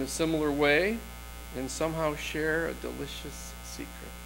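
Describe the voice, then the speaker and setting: A man talks while noticeable background noise sits behind him. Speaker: speaker. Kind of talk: sermon. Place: church. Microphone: podium.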